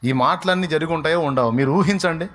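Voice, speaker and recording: Fiery, higher-voiced male preacher. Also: a little fast. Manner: animated, rhetorical questions, exclamatory praise. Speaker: pastor. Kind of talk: sermon.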